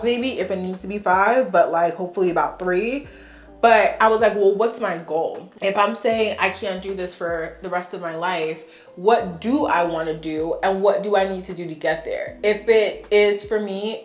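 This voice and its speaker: A young woman vlogger chatting casually and frankly while doing her makeup, sounding congested and laughing often. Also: mid-range voice. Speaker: beauty vlogger. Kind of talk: casual get-ready-with-me chat. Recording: echoey room.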